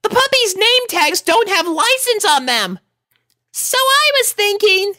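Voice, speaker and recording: A tiny, excitable unicorn filly from a cartoon tale. The voice is very high and leaps around, whiny and insistent as a stubborn child pleading. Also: female voice, unhurried, heavily acted. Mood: excited.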